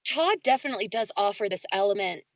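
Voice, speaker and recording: A woman's voice: medium pitch, animated, fast talker, no room sound. Dry-recorded woman chatting in interview. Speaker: voice actor, podcast guest. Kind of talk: casual interview discussion.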